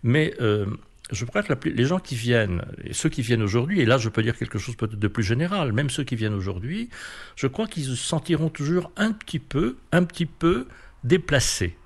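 Speaking briskly in an expressive mid-range voice touched with vocal fry, a French-accented man answers interview questions as a guest. The conversation is reflective, and he's hesitant and thoughtful, with many fillers and restarts.

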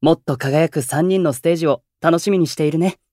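A man voicing a calm, encouraging senior male idol who mentors younger members, in a voice drama. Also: on the high side, a little fast, no echo, studio quality, close to an everyday voice. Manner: calm, warm-hearted, encouraging. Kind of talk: anime-style voice drama acting.

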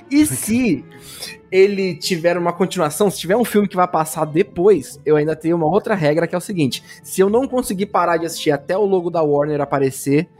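A man chatting casually and emphatically on a podcast. His voice sits a little high. Faint music plays behind him. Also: darkish tone. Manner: emphatic, rule-stating fan talk. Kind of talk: casual chat.

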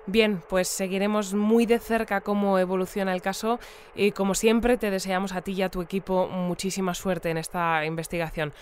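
An actress playing a courteous, sympathetic radio news presenter in an audio drama, with a Castilian Spanish accent and a conversational manner. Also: female voice, mid-range voice, fairly even intonation, normal speed, hardly any pauses, close to an everyday voice. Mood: courteous, brisk. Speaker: news bulletin host. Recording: clear background noise and ambience.

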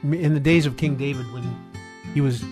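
A man's voice: a little high, fairly even intonation, moderate pace. A man hosting Christian radio talk, speaking earnestly and devoutly, directly to his listeners. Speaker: radio show host. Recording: loud live guitar music behind. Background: guitar music.

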